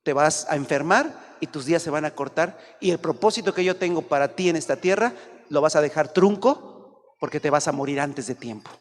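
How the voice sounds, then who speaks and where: Man, pastor, high voice, sermon, acted-out dialogues, long hall reverb. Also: moderate pace. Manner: acts out dialogues in animated voices, rising to shouts.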